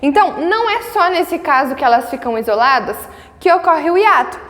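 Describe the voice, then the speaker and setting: A Brazilian woman teaching a grammar lesson, patiently checking in with her students and sounding out words slowly syllable by syllable. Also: high voice, expressive, fairly bright tone, in a large hall. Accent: Brazilian Portuguese. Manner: patient, checks in often with tags.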